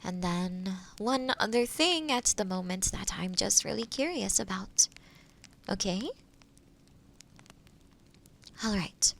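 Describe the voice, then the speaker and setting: Lady doing a sweet caring forest witch for audio roleplay, soft n soothing, really slow, lilting pitch. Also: gravelly, exaggerated voice. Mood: affectionate, curious. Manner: soothing, caring, softly breaking into whispers. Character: kind, gentle forest witch who loves helping others. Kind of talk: scripted audio roleplay spoken softly to the listener.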